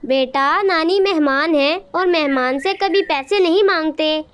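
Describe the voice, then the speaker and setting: A woman's voice: extremely high pitch, unhurried, a bit bright. A woman voicing a practical, fussy mother bird in a cartoon who lectures her son. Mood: scolding. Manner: scolding, lecturing.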